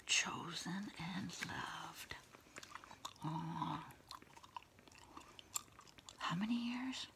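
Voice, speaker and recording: A middle-aged woman whispering a quiet ASMR roleplay close to the mic, in a breathy, murmuring voice with pauses and soft hums. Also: lowish voice, background noise. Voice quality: breathy, mostly unvoiced whisper. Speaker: ASMR host playing a therapist. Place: small candlelit indoor room.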